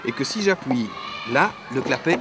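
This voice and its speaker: With a mid-range voice, lively intonation and normal speed, a man demonstrates the accordion to an audience in a chatty, hands-on way, often finishing sentences with "hein." Accordion music and other background noise can be heard behind him.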